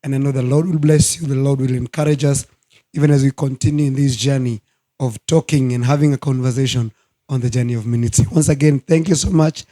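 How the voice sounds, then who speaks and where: A hoarse man in his thirties, a guest minister speaking earnestly in a studio talk show interview. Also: mid-range voice, fairly even intonation, dark tone. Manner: slow, earnest, preacherly.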